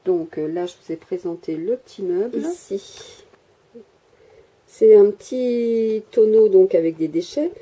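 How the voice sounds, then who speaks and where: Husky, dark-voiced woman chatting about crafts. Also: medium pitch, unhurried. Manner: rambling, self-mocking, many hesitations. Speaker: crafter showing her miniature workshop. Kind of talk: casual chatty show-and-tell. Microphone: handheld camera mic.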